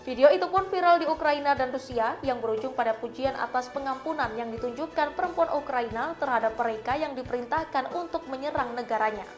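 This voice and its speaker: A woman with an Indonesian accent narrating a scripted news voice-over. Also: high voice. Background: faint background music.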